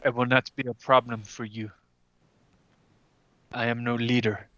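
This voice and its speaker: A man's voice: mid-range voice, flat delivery, a little slow, pushed and bright, no echo, highs cut off. A man doing a big, stiff, formal giant. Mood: solemn. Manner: formal, clipped speech without contractions. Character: huge aloof male Earthbound being, formal and stiff.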